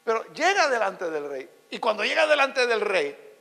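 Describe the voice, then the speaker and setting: A man with a Salvadoran accent preaching a sermon in a church, talking to his listeners as brothers and building up to shouts for emphasis. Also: sits high, big pitch swings, normal speed, vocal fry. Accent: Salvadoran Spanish. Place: church sanctuary. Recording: long hall reverb.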